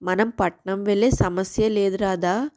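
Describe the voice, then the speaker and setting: A woman's voice: mid-range voice, steady tone, a little slow, darkish tone, pitched below the performer's own voice, lightly acted. A woman voicing a firm, loyal young husband in a family moral story, stern and insistent. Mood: indignant, firm. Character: firm, loyal young working husband scolding his wife.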